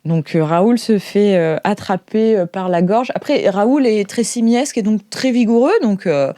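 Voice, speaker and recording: A woman's voice: mid-range voice, moderate pace, mellow, dry recording, clean studio sound. A woman running an improvised tabletop game, narrating casually and hesitantly as she thinks aloud. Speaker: game master.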